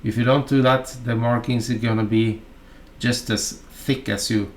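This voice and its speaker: A man from Norway with a Norwegian accent, narrating a fly-tying tutorial in a halting, chatty way full of fillers and asides. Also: mid-range voice, fairly even intonation.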